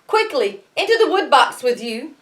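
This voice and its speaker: A woman's voice: high-pitched, very animated, a bit bright, far from the mic, a little hiss or hum. A woman voicing an anxious, kindly wife of a giant in a fairy tale, speaking urgently. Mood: alarmed. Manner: hurried, urgent.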